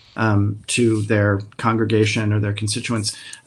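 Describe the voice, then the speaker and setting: With audible room echo around it, the voice moves at a fairly slow pace in a monotone, flat intonation. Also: man. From Colorado, US. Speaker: documentary filmmaker and nonprofit director. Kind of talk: interview.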